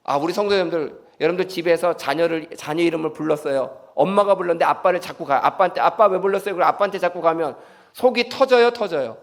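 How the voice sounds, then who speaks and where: A man's voice: fairly high pitch, fast, gravelly. A man preaching a sermon as pastor. He asks the congregation questions and acts out short bits of dialogue.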